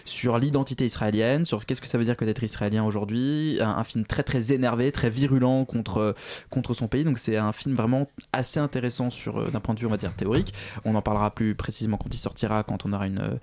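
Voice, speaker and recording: A man presenting film news on a radio show in casual chat, hesitant and full of fillers and self-corrections, gently self-mocking. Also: medium pitch, fairly even intonation, a little fast.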